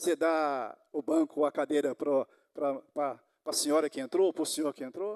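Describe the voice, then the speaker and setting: The speaker is a man. His pitch is fairly high. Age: 60s. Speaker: lay preacher. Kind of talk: sermon. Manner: halting.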